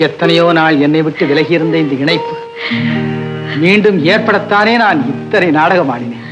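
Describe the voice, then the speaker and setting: A man's voice: fairly high pitch, moderate pace, close to an everyday voice, poor audio. A man playing a lamenting film hero over music. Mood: tender. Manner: declamatory, lamenting then tender. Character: man who faked being a drunkard to win back his love. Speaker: film hero, the woman's lover. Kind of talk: 1960s Tamil film dialogue. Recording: old film soundtrack with loud music.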